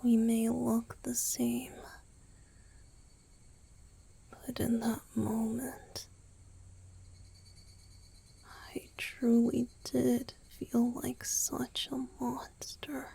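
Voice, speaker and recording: A woman playing a tender, guilt-ridden young male vampire boyfriend in a romantic ASMR roleplay, mostly whispering in a slow, halting, intimate way. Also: fairly high pitch, monotone, vocal fry, warm tone, breathy edge, full character voice. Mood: sorrowful, self-loathing.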